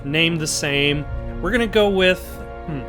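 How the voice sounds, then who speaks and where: A man hosting a let's play with casual, improvised commentary, thinking aloud in a halting way. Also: fairly high pitch. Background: music.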